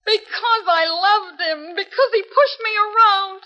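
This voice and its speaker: A woman's voice: extremely high pitch, a little slow, pushed and bright, muffled recording, exaggerated voice. A woman playing a haughty nightclub performer who fakes a French accent, in 1950s radio drama style. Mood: tearful. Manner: haughty, theatrical, defiant.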